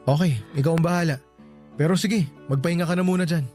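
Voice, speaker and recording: A man's voice: a little high, fast, close to an everyday voice. A man playing an attentive, insistent young lover in a Tagalog radio drama. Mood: tender. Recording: soft music bed underneath.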